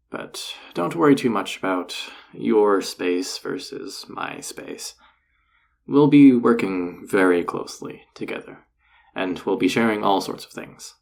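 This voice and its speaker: A man acts out a self-assured male enchanter boss in an intimate fantasy audio roleplay. His voice is low and gravelly, with a husky edge. He talks straight to the listener, teasing and coaxing with casual, flirtatious confidence. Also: exaggerated voice. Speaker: voice actor.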